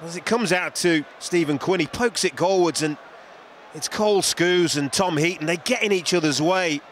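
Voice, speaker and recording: A man giving measured football co-commentary, stressing key words by repeating them. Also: on the high side, a bit bright, a little hiss or hum. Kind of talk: football match analysis.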